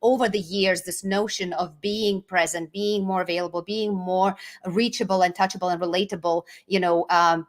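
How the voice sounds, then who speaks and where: A woman's voice: fairly low pitch, steady tone, normal speed, few pauses. A middle-aged woman from Lithuania with a Lithuanian accent, talking casually as an interview guest, chatty and often restarting her words. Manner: chatty, restarts words, laughs between phrases.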